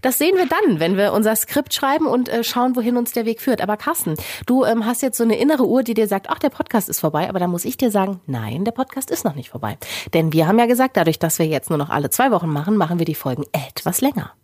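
Brief: female co-host, casual banter, filler-heavy, animated pitch. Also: quick pace, few pauses. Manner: teasing, chatty, full of fillers. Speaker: podcast co-host. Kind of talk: casual chat.

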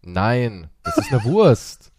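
A man chatting casually and teasingly, with an animated, expressive way of talking. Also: medium pitch, slow pace, a little hiss or hum. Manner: teasing, playfully mocking. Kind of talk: casual banter.

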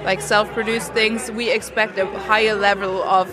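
A woman scholar answers interview questions in a casual way. Her medium-pitched voice is raised over a clearly audible crowd at a noisy evening event. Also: level tone, moderate pace. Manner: speaking up over loud event noise. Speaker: science fiction scholar interviewed. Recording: noisy crowd, city sounds.

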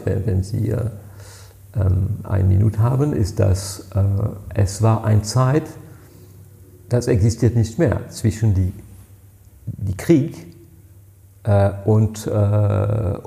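A man in his sixties with a French accent, a native French speaker, answering interview questions as a guest in German. He tells stories haltingly and searches for words, with many fillers. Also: on the low side, gravelly, warm tone. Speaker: party president, guest.

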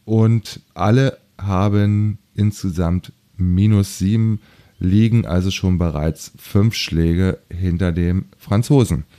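A man's voice: low-pitched, steady tone, slow, dark tone. A man hosting a golf recap, reading out scores and standings in a casual commentary style. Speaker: golf show host.

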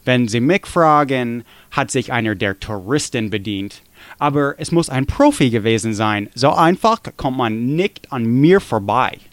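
A man's voice: medium pitch, expressive, unhurried, natural voice. A man playing a stern, rule-proud security guard who gives his witness statement in a self-assured, officious way. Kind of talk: scripted witness monologue.

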